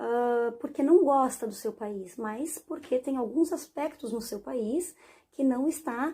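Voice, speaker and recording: A woman speaks at a fairly slow pace with a high pitch and ordinary pitch variation. Her tone is animated. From Brazil, Santa Catarina (Criciúma). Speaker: schoolteacher. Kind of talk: online class lesson.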